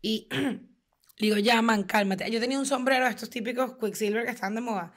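Woman, young adult, Venezuelan accent, quick pace, animated storytelling. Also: a little high. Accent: Venezuelan Spanish. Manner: animated, slangy, acts out quotes loudly. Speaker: podcast co-host. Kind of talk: casual storytelling chat.

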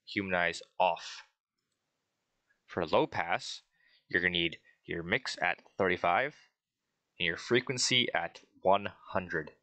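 A man's voice: deep voice, slow, pauses often, pushed and bright, no echo. A man giving a casual spoken tutorial, rambling a little as he reads out settings. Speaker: tutorial creator.

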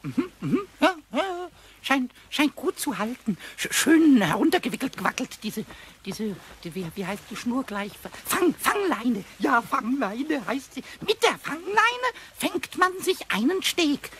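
A man playing a cheeky, boastful little kobold with a squeaky, shrill voice, stammering and repeating words excitedly in a children's radio play. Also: measured pace, husky, full character voice. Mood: curious, musing. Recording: faintly noisy old cassette recording.

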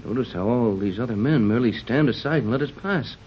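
An actor playing a level-headed male sea captain who takes charge in a calm, reassuring way, in a 1930s radio drama. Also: mid-range voice, fast talker, slight background noise, lightly acted. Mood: steady. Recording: dull old 1930s radio recording.

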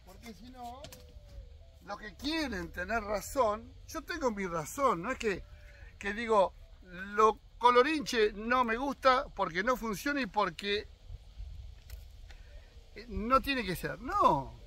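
Lively older Argentine man, high voice. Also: slow pace. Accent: Argentine Spanish. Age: 60s. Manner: opinionated, talks straight to viewers. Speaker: fishing vlogger. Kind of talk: casual opinion monologue. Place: outdoors on his own rural land.

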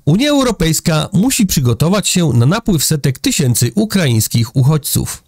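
Middle-aged vlogger, indignant and sarcastic commentary, slightly high voice, dry room. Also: male voice, big pitch swings, moderate pace, a little mellow, breathy edge, no room sound. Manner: indignant, sarcastic, addresses viewers directly. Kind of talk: opinionated news commentary. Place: indoor room with a large window over a city.

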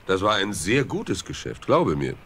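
An actor playing a mysterious count, also disguised as a priest, who speaks in a measured, polite and controlled way in a radio play. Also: male voice, low voice, very animated, fairly bright tone, breathy edge, heavily acted. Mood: warm, guarded.

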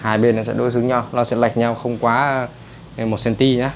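A man with a Northern Vietnamese accent giving a brisk, chatty hands-on haircut tutorial in a barbershop. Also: medium pitch, level tone, a little hiss or hum. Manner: brisk, chatty, addresses viewers as brothers. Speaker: barber instructor. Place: barbershop indoors.

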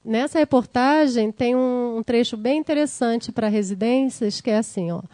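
A woman's voice: on the high side, moderate pace, mellow, no room sound. A woman giving an academic lecture, explaining slides and checking in with the audience. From Brazil. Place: lecture room.

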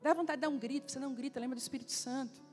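High-voiced woman pastor telling stories. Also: very fast, soft background music. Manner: animated storytelling with acted-out dialogue. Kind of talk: sermon. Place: church.

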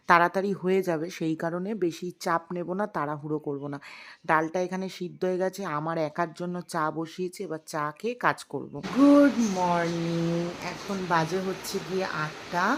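A mother in her thirties vlogs her day at home, talking straight to viewers in a chatty, homely way as she cooks and moves through the kitchen and other rooms indoors. Her voice is fairly low, and the background is noisy.

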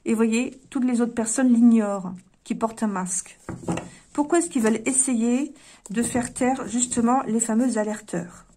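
Musing woman reading cards, fairly high voice. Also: normal speed, warm tone, slight background noise. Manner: thinks aloud with many fillers and restarts; musing, talks straight to viewers. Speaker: card reader. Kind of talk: casual card reading to camera.

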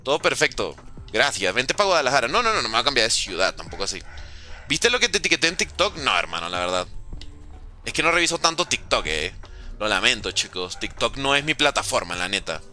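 Lively bright-voiced streamer man. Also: mid-range voice, brisk, faint music behind. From Venezuela. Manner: reads chat aloud and jokes with viewers. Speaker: gaming streamer. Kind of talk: casual live-stream chat while playing. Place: at home, room with a window.

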